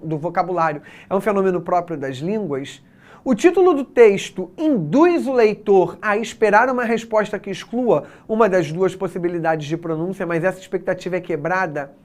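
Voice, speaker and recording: Lively Brazilian woman teaching a lesson. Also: medium pitch. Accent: Brazilian Portuguese. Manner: explanatory, addresses students directly with checks. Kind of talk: exam prep lesson.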